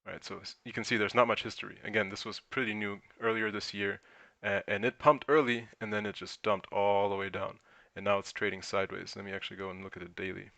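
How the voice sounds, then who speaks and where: A man's voice: fairly low pitch, flat delivery, quick pace, creaky, hardly any pauses, pushed and bright, no room sound. A man from Germany whose first language is German, hosting a casual livestream and thinking aloud while he answers chat questions. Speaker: crypto livestream host.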